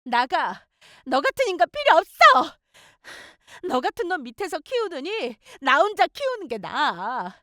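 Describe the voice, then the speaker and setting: A fierce young mother fights back at her in-laws with heated, scolding outbursts, voiced by a woman. Her voice rides high and swoops widely. The sound is close and dry, a radio story drama. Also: sing-song, brisk, a bit bright, dry recording. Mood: enraged.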